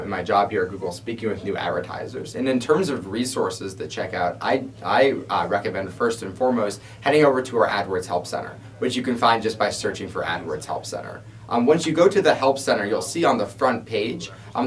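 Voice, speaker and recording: A man co-hosting a question-and-answer show, explaining things in an informal, conversational way. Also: on the low side. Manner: explanatory, informal, frequent "you know". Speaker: co-host and ad support specialist. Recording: distant mic pickup.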